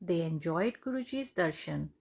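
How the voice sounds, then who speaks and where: A woman reads a devotional testimony aloud in measured, deliberate phrases. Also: fairly low pitch, expressive, gravelly, a little mellow, slightly rough. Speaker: devotional reader.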